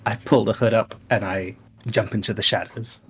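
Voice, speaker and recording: A man playing a tabletop game, telling an ominous story in character with a slow, dramatic delivery. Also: on the low side, fairly even intonation, husky, soft background music. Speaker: player.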